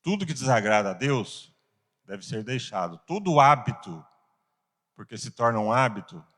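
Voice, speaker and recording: Earnest and fond of rhetorical questions, this Sunday school teacher pauses for emphasis as he teaches a Bible class in Brazilian-accented speech. He speaks at a medium pitch in a sing-song, somewhat bright way.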